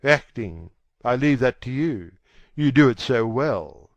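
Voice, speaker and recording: Man playing a cold, disdainful young gentleman, slightly muffled. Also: mid-range voice, expressive, slow. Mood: bitter anger. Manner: cutting, contemptuous.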